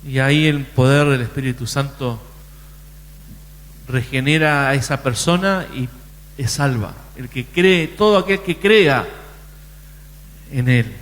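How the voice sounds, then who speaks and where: A man's voice: medium pitch, measured pace, pauses often, a bit bright, long reverb tail. A man preaching a sermon in a conversational way, often restarting his sentences. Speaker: pastor.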